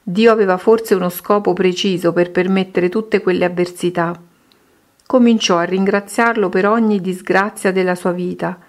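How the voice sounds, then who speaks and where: A woman reading a Christian devotional book aloud in a steady, measured way. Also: lowish voice. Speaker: reader.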